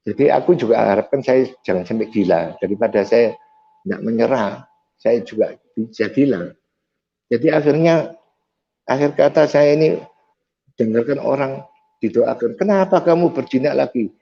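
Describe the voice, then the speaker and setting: A man with a mellow, warm voice tells his own faith story in a lively way. He acts out each exchange and presses harder as the story turns dramatic. The recording sounds dull and lo-fi. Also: medium pitch, moderate pace, vocal fry, long pauses. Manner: vivid storyteller who acts out dialogue, intense at dramatic moments. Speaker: testimony speaker. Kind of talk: personal faith testimony storytelling.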